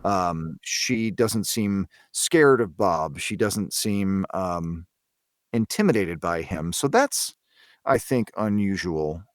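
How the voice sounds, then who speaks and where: A man speaking as an interview guest, thinking aloud in a halting, reflective way with repeated words. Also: low-pitched, animated, no echo, clean studio sound. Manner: hesitant, thoughtful, halting delivery with repeated words.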